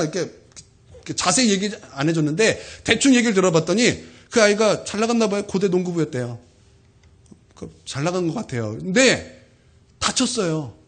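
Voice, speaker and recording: A man's voice: high voice, breathy edge. A middle-aged man, a pastor, preaching a sermon in a church, telling stories and calling out to the congregation. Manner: emphatic preaching with rising calls to the congregation, storytelling asides. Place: church sanctuary.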